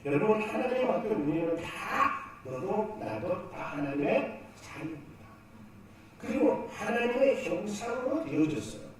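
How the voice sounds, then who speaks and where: Male pastor with a high voice, preaching and quizzing the congregation, recorded from afar in a very echoey church. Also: big pitch swings, a little slow. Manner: asks the congregation questions and answers them. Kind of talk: sermon. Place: church sanctuary. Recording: echoey church hall, distant mic, faint noise.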